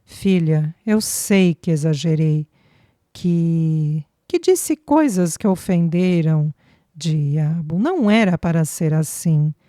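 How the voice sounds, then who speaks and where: A woman's voice: low voice, lively intonation, slow, mellow, no echo, studio quality. A woman voicing a stern old Italian father. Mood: humble, firm. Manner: blunt, sprinkles Italian words. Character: older Italian immigrant father, stern but repentant.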